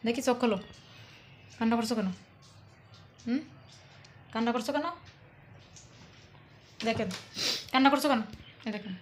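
A woman's voice: on the high side, fairly even intonation, normal speed, long pauses, darkish tone, slight background noise. Teasing woman vlogger. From Bangladesh. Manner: coaxing and teasing, talking to viewers. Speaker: vlogger filming her husband. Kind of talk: casual home vlog.

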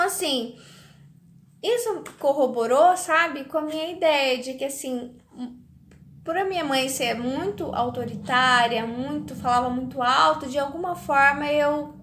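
Woman, thirties, high-pitched, creaky voice, hesitant casual devotional talk, echoey room. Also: measured pace, fairly bright tone, a little hiss or hum. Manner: hesitant, keeps asking "sabe?". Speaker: faith vlogger.

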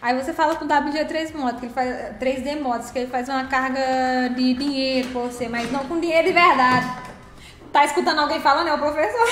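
A woman's voice: sits high, fairly even intonation, a little fast, a bit bright. A woman, casually chatting on a live game stream, greeting viewers by name and laughing often. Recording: roomy echo.

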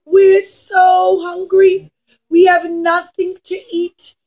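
A woman voicing hungry, pleading people in a children's story, loud and drawn out. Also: very high voice, flat delivery, slow, voice pushed up, low-quality recording. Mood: desperate, pleading.

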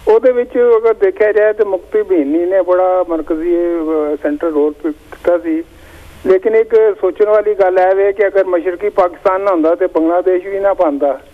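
An older man calls in over a tinny, narrow phone line. His voice sits somewhat high for a man. He recounts his memories in a measured way, often stumbling and restarting his sentences. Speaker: caller. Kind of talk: phone-in conversation.

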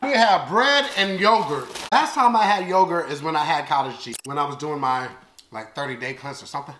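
A man's voice: a little high, brisk, bright, forceful tone. An American man in his thirties chatting casually and comically to viewers as a vlog host, exclaiming and reacting expressively while he eats. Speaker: host of a food-tasting video. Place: large open living and dining room at home. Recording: roomy echo, clear background noise.

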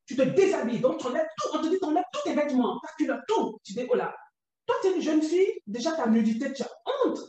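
A woman giving an emotional personal testimony, talking in a raw, halting way and often close to tears. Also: high voice, very animated, dark tone. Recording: echoey room, distant from the mic.

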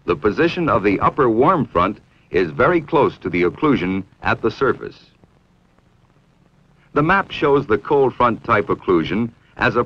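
An American man reading scripted 1960s training film narration in a formal, measured, authoritative manner. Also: mid-range voice. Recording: dull, aged 1960s film soundtrack.

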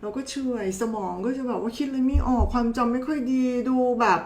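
A woman's voice: a little high, quick pace, darkish tone. Chatty woman doctor in a roomy space. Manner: chatty, teasing, addresses viewers familiarly. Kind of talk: casual health explainer talk. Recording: roomy echo.

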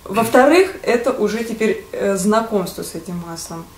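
A woman in her thirties, speaking earnestly and enthusiastically as a guest in a relaxed conversation. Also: mid-range voice, normal speed, a crowd in the background. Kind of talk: casual conversation. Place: living room with curtains, indoors. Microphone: far camera. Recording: roomy, distant, faint background hiss.

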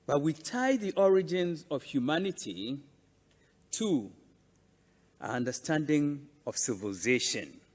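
A man delivers a formal, prepared address in a somewhat high voice. He speaks very slowly and deliberately, leaning on phrases between pauses, and his words ring with long reverb in a large hall. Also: fairly bright tone. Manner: deliberate, measured, emphatic with pauses. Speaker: conference speaker presenting a museum.

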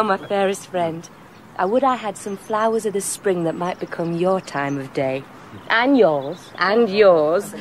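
An actress playing a modest, witty young shepherdess hosting a feast in a radio play. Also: female voice, mid-range voice, natural voice.

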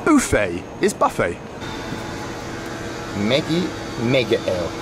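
A man's voice: medium pitch, wildly swooping pitch, slow pace. A man in his thirties chatting with wry asides to a handheld camera at arm's length, vlogging his travels through a big train station and onto a train. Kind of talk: casual travel vlog to camera. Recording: noisy station and train ambience.

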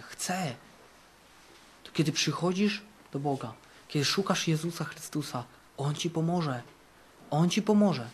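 Man preaching at a camp meeting, fervent, repeats himself for emphasis, raised pitch. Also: slight background noise. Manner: fervent, repeats phrases for emphasis, swings between loud and hushed. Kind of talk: sermon.

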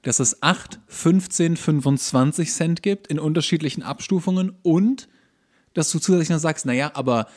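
A man's voice: fairly high pitch, normal speed, a little mellow. A man chatting casually as a podcast co-host. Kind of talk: casual chat.

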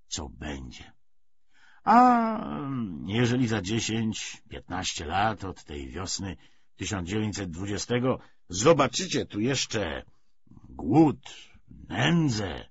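A self-assured Bolshevik commissar, acted out by a male audiobook reader, lectures with deliberate emphasis. The voice is a little husky and swings widely in pitch, at a measured pace. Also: dull audio, full character voice. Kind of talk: audiobook character dialogue.

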